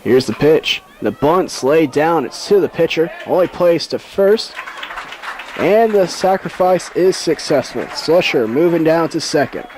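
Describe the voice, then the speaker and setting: A man's voice: fairly high pitch, expressive, a little slow, darkish tone, a faint crowd. A man calling live baseball play-by-play as a sports commentator. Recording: outdoor ballpark background noise.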